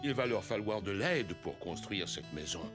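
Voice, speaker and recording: A man voicing a kindly, agreeable grandfather who pauses as he explains, in a French children's cartoon. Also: lowish voice, sing-song, music in the background.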